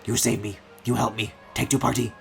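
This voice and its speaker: A man voicing a dim, simple brute creature from a video game in slow, broken caveman speech. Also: medium pitch, level tone, creaky, faint music behind, voice pushed down. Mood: dim, blunt. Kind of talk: video game character read-aloud.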